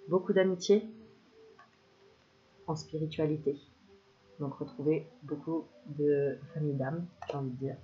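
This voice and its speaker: A woman giving a casual spiritual card reading to the viewer, chatty and quick to laugh, self-filmed at home. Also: deep voice, steady tone. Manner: chatty, laughs often, addresses viewer familiarly. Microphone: self-filmed camera. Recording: slightly dull lo-fi sound, faint hiss.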